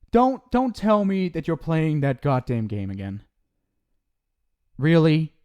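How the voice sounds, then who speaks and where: In an ASMR roleplay, a man with a mellow, somewhat high voice plays an exasperated ghost soulmate from the afterlife. He curses as he scolds and trips over restarts while explaining himself.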